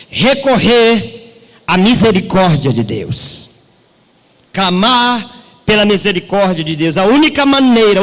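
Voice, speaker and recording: A man preaching a sermon as a pastor, asking rhetorical questions and swinging his pitch for drama. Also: fairly bright tone, in a large hall.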